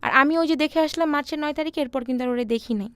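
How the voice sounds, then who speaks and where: A young woman, telling her personal story softly and hesitantly with many fillers. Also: high voice, racing, no room sound. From Bangladesh. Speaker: interview guest.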